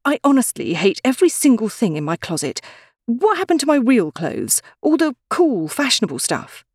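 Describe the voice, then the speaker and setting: A woman's voice: lively intonation, normal speed, dry recording, studio quality. A woman voicing a spirited, anxious young woman who talks in a raised, exasperated way, in an audiobook. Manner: exasperated, higher and brighter than the narration.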